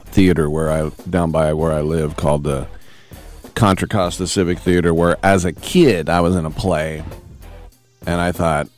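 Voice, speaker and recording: A man hosting a live sports talk radio show with a hoarse, raspy voice, joking around and slipping into silly voices. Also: low-pitched, steady tone, normal speed, darkish tone, faint music behind. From US Bay Area. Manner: playful, breaks into sung snippets and silly voices.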